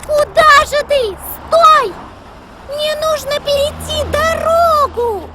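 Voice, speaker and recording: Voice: very high voice, slow, heavy background noise. An actor voicing an impulsive, naive little girl in an educational children's cartoon, exclaiming and pleading. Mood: urgent, eager. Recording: loud music behind the voice.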